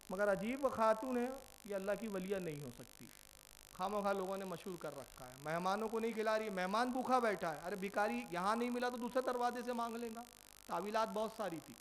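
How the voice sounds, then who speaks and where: Male preacher, high voice, animated sermon storyteller who acts out dialogue; faint hiss. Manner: animated, acting out dialogue and questioning listeners.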